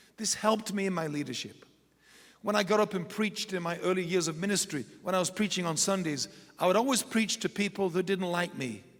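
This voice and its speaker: With an English accent, the speaker moves at a fairly quick pace with ordinary pitch variation. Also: man, high pitch for a man. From England. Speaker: pastor. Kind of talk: sermon. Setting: church.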